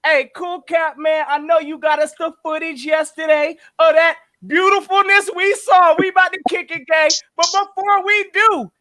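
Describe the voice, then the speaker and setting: A man co-hosting a sports podcast, shouting loud hype calls to open the show. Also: extremely high pitch, fairly even intonation, normal speed, few pauses, no room sound. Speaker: podcast co-host.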